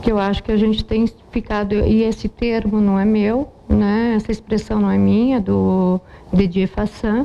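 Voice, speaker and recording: A woman speaks with a Polish accent at a medium pitch. Her intonation is monotone and flat, and her loudness stays very even. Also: moderate pace. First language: Polish (speaking Portuguese). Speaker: psychoanalyst. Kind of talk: lecture. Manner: halting.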